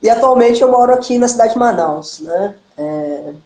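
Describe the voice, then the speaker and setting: A woman from the interior of São Paulo state with a caipira accent, a political activist speaking as a guest in a live stream conversation, outspoken and animated. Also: fairly high pitch, normal speed, reverberant, rough recording. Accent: São Paulo countryside (caipira) Brazilian Portuguese. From interior of São Paulo state, Brazil. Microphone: live stream call.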